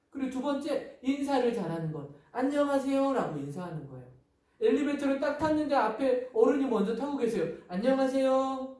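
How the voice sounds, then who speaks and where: Pastor giving a children's sermon, animated storyteller, high voice, heard from a distance in a very echoey room. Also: male voice.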